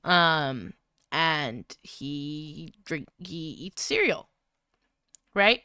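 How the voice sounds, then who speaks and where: A woman's voice: deep voice, expressive, very slow, pushed and bright, smooth, no room sound, studio quality. A woman hosting a livestream, chatting casually in a playful, talkative manner. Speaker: livestream host.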